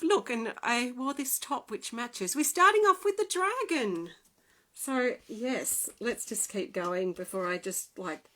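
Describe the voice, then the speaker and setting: A woman, excitedly and chattily reading oracle cards in a live stream from home. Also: mid-range voice. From Australia. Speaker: oracle card reader.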